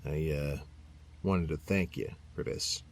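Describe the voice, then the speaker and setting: An actor playing a plain-spoken police captain in an audio drama, reserved and matter-of-fact. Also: male voice, a bass voice, slow pace, exaggerated voice.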